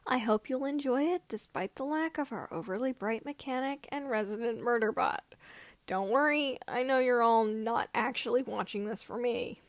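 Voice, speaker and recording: Woman as a young male vlogger, higher voice, wry, cheerful, self-deprecating, audio story, dry recording. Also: moderate pace, no echo, close to an everyday voice. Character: wry, cheerful young man hosting fan update videos.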